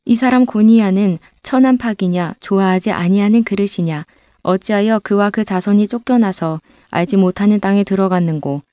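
A woman reading scripture aloud in a measured, even recitation, recorded as a studio voice-over. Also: medium pitch, clear, resonant tone, no room sound. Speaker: scripture reader. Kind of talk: steady scripted Bible reading.

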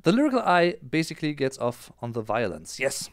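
A German man in his thirties, a native speaker with a matching accent, streams music reactions on a headset from a small indoor room. His voice is a little high and brisk with no room sound, and he explains song lyrics casually and animatedly, gesturing with his hands.

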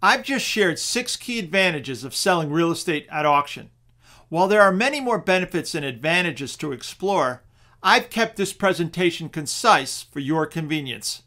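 A middle-aged man narrating a scripted webinar on real estate auctions in a steady, persuasive sales tone. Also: fairly high pitch, normal speed.

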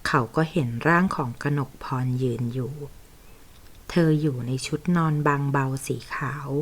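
A woman narrating a romance novel aloud in a steady, even storytelling manner. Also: rumbling low, measured pace, breathy edge. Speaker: audiobook narrator.

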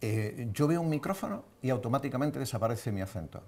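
An Andalusian man guesting on a studio talk show, talking fast in an animated, storytelling way. His voice is husky and gravelly. He sits at mid pitch. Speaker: professional voice-over artist, studio guest. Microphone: lapel mic.

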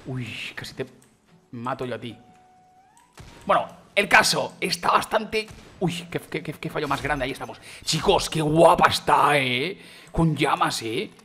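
A man's voice: medium pitch, unhurried, pauses often, slightly rough, soft background music. A man with a Spain Spanish accent, gushing and swearing casually while giving let's play commentary as a gaming YouTuber. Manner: excitable, gushing, peppered with mild swearing and filler.

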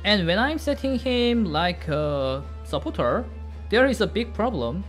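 This game streamer is a man in his thirties whose native language is Korean, and his English is simple, halting, and Korean-accented. At a desk in an indoor room, webcam next to the game screen, he gets excitable and lets out high-pitched exclamations while faint game music plays.

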